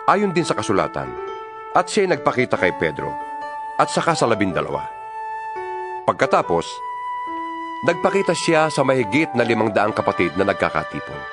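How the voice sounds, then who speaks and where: A man's voice: mid-range voice, fairly bright tone, no room sound, studio quality. A man with a Filipino accent playing an earnest, emphatic apostle exhorting fellow believers in a dramatized scripture reading. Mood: solemn, earnest. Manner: earnest, emphatic, preacherly, deliberate phrasing. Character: impassioned male apostle exhorting his fellow believers by letter. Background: music.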